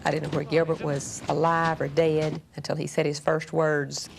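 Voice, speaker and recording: Low gravelly lady telling about her husband's accident, emotional, noisy bg. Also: level tone, normal speed. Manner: emotional, plainspoken recollection. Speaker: wife of injured pilot. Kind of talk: interview testimony.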